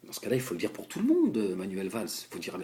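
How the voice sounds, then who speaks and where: A young French man giving a heated political monologue, halting and repeating words as he addresses a politician directly. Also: lowish voice, huge pitch swings, mellow, slight background noise. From France. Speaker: political commentator.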